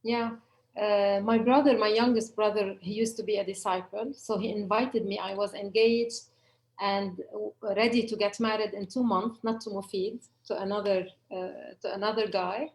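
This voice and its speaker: A woman's voice: medium pitch, steady tone, moderate pace, a little mellow, low-quality recording. A woman who leads a church and hosts radio and TV, telling her story earnestly as a guest, with hesitant fillers. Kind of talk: interview storytelling.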